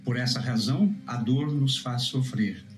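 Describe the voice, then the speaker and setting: A Brazilian man preaching in a didactic, measured way, expounding scripture with emphasis. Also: medium pitch. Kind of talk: religious teaching, scripture exposition. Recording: roomy echo, music behind.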